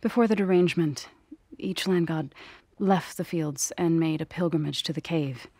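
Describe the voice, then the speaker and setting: An actress voicing an earnest young tribal woman warrior in a video game, grave and devout, with measured, careful phrasing. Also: low-pitched, darkish tone, no echo, clean studio sound. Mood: solemn. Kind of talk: video game character voice acting.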